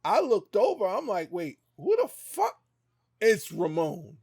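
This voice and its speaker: A man's voice: high voice, wildly swooping pitch, unhurried, gravelly, darkish tone, slightly rough. A man chatting casually as a podcast co-host, reminiscing in a searching way and often repeating his phrases.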